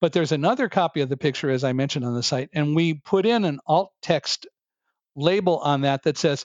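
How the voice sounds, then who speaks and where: A man with an American accent, a normal speaking voice and a fairly high pitch, at a fairly quick pace. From California. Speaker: author and public speaker. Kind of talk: interview.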